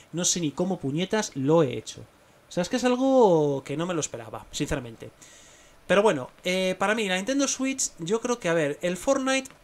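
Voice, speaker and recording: Young male gamer with a Spain Spanish accent, voice somewhat high, live commentary, excitable, bursts into exclamations. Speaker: gaming streamer.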